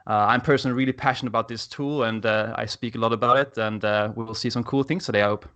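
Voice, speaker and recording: A man's voice: medium pitch, steady tone, quick pace, bright, forceful tone. A man from Sweden with a Swedish accent, giving an enthusiastic technical presentation over a video call with frequent "uh" fillers. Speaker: conference speaker.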